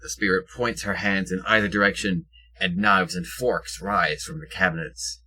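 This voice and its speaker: A man's voice: deep voice, fairly even intonation, normal speed, sharp tone, slightly rough, low-quality recording. A man reading scripted present-tense action narration for an audio drama.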